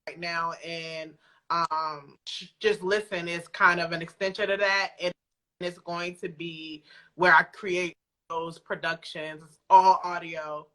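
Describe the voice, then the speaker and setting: A woman's voice: fairly low pitch, fairly even intonation, slow, sharp tone, low-quality recording. A woman chatting as an interview guest, speaking in an emphatic, playful, slangy way. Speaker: guest, audio drama creator. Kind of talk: casual conversational interview.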